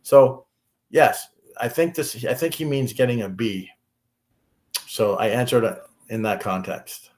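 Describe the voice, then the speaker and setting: An immigration attorney from the United States gives practical advice on a talk show, often restarting and repeating himself as he begins sentences. His voice is mid-range and darkish, and he speaks unhurriedly.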